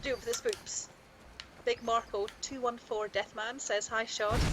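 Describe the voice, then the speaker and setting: A woman in an Edinburgh accent, with noticeable background noise. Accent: Edinburgh Scottish. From Scotland, Edinburgh. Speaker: stream co-host reading chat. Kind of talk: casual chat, reading chat messages aloud.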